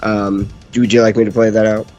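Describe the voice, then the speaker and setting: A man's voice: fairly low pitch, flat delivery, quick pace, darkish tone, muffled recording, faint music behind. A man playing a tabletop roleplaying game, talking casually and speaking for his character.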